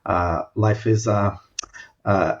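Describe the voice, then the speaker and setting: A man's voice: fairly low pitch, fairly even intonation, slow, highs cut off. A man in his late forties from El Salvador, a podcast guest talking reflectively with many fillers and restarts. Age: 40s. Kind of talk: reflective conversation.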